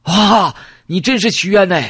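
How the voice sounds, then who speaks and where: A man voicing a chatty, nosy male taxi driver in an audiobook, with a husky voice. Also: high-pitched, moderate pace, fairly bright tone, no room sound, voice pushed up. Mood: excited. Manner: gushing, nosy.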